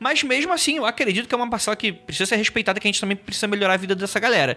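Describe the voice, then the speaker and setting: Speaking very fast, a man raises and projects his voice at a high pitch. Noticeable background noise runs underneath. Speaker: podcast host. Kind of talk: casual chat.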